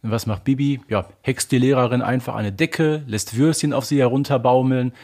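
A man talks as co-host of an informal podcast. His pitch is average for a male voice. He explains details in a knowledgeable, matter-of-fact manner, as in a relaxed conversation between two people. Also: moderate pace. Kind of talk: casual podcast discussion.

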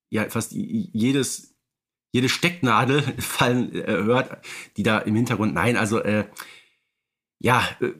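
A man's voice: medium pitch, fairly bright tone. Male podcast co-host, mid-range voice, explains and analyses conversationally.

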